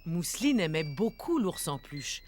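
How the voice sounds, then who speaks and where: A woman playing the gentle narrator of a French children's cartoon, telling the story in scripted storybook style. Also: fairly low pitch, sing-song, moderate pace. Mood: gentle storytelling. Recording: music behind the voice.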